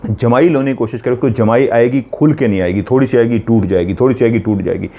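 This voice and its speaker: A man's voice: medium pitch, fast talker, dark tone, muffled recording. Earnest man teaching home spiritual remedies. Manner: earnest, repetitive, step-by-step instructions. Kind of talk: instructional talk on spiritual remedies.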